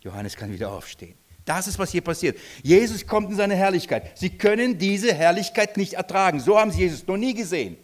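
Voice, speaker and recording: Male preacher, slightly high voice, dynamic sermon delivery, rhetorical questions. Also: fairly quick, hardly any pauses. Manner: dynamic, swings from loud emphasis to hushed near-whispers; addresses congregation directly with questions.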